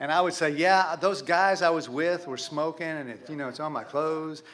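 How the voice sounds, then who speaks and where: A man's bright, sharp voice, fairly high in pitch with ordinary variation, at a moderate pace amid audible room echo. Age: 60s. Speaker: pastor. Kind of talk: sermon. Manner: casual.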